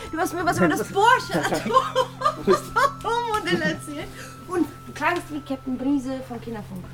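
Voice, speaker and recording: An actress playing a playful, teasing young bride in love in a radio play, with an expressive delivery. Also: female voice, very high-pitched, slow pace, pauses often, full character voice. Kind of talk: radio drama acting. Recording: studio radio play under loud music.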